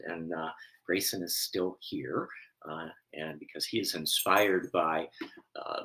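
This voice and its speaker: A man in his fifties, a minister, talking to his congregation from home and then reading a short scripture in a soft, unhurried way with many fillers. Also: sits low, rough recording. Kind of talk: reflective talk and scripture reading. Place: home room, indoors. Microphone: webcam at desk distance.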